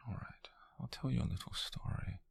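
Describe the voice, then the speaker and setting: A British man playing a gentle, teasing witch mentor in an ASMR roleplay, speaking in a breathy, hushed half-whisper with soothing, intimate phrasing. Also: natural voice. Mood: soft, reflective. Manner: soothing, intimate, unhurried, softly formal phrasing. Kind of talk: ASMR roleplay addressed to the listener.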